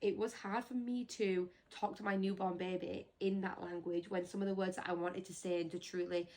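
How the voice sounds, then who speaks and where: A woman's voice: on the low side, level tone, a little fast, darkish tone. A woman chatting casually as a parent vlogger answering viewer questions, teasing and laughing easily. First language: English. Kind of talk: casual chat.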